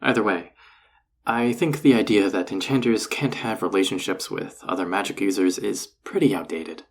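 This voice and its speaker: A man playing a flirty, self-assured enchanter boss in an audio roleplay, teasing and coaxing the listener in a husky, gravelly voice. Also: fairly low pitch, moderate pace, slight background noise, lightly acted. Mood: casual, persuasive. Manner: teasing, coaxing, casually confident. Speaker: voice actor. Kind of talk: intimate scripted audio roleplay addressed to the listener.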